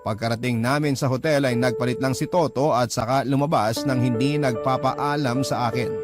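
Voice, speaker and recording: Isang lalaking tagapagsalaysay na nagbabasa ng liham ng pag-ibig bilang kuwento sa unang panauhan. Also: male voice, medium pitch. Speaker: narrator reading a letter. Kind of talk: first-person scripted story narration. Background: music.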